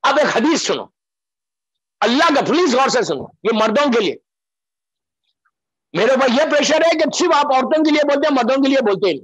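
A man's voice: very high voice, big pitch swings, a little fast, long pauses, fairly bright tone, slightly rough, no room sound, rough recording. A man preaching a Muharram majlis sermon to a gathering broadcast live, pleading and impassioned, repeating phrases for emphasis and slipping in English phrases. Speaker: Shia preacher.

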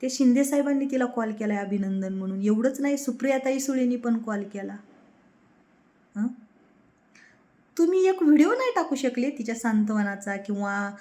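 A woman's voice: fairly high pitch, expressive, normal speed, mellow. A woman delivering a heated political rant to camera, firing rhetorical questions and repeating her points. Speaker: political commentator.

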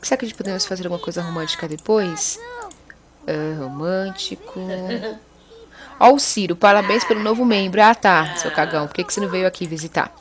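A woman hosting a gaming video, chatty and excitable as she exclaims to her viewers. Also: on the low side, a little fast, a crowd in the background. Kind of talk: casual let's-play commentary.

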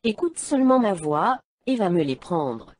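A woman reading the lines of a scheming mother who gives her son orders, calm and measured. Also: medium pitch, slight background noise. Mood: urging.

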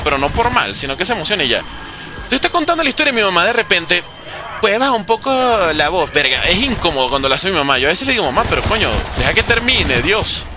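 A man's voice: high-pitched, very animated, quick pace, noisy background. A young Venezuelan man with a Venezuelan accent, chatting casually and joking with viewers while streaming a zombie game. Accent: Venezuelan Spanish. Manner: chatty, joking, reads and answers viewer chat. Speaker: gaming streamer. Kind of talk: casual live commentary while playing. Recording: game music underneath.

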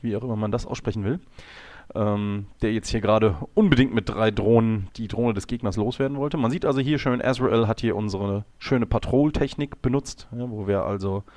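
Slightly hoarse man coaching over replay. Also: fairly low pitch, a little fast, no room sound. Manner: calm, explanatory, with frequent fillers and self-corrections. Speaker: game coach. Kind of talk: instructional commentary over a game replay.

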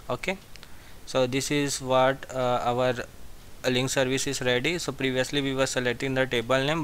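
A man giving a step-by-step software tutorial as an instructor, repeating his phrases as he goes. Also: medium pitch, slight background noise. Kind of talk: screen-share software tutorial.

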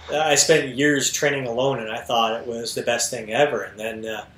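This co-host of a fitness podcast, a man in his thirties, speaks earnestly and drops casual swears over a video call using an earbud mic. His medium, fairly bright voice holds a steady tone at moderate pace, and his bookshelf-lined home room adds echo and slight background noise.

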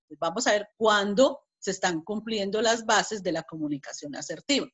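A woman's voice: mid-range voice, moderate pace, fairly bright tone, husky. A woman with a Colombian Spanish accent teaching an online class, explaining step by step with frequent restarts and repeated words. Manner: reads example dialogues aloud with emphasis.

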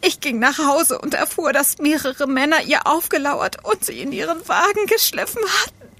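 A woman's voice: sits high, expressive, normal speed, fairly bright tone. An actress playing a tender, easily frightened young woman in a German horror audio drama, with emotional, dramatic delivery. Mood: sad, confiding. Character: frightened, tender young woman Mary, grieving her mother.

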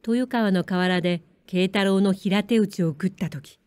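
A woman narrates a samurai-era story in a calm, measured reading. Her voice is mellow and warm, recorded close and dry with no room sound. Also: mid-range voice, smooth, no echo. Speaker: audiobook narrator. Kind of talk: scripted narration of a period story.

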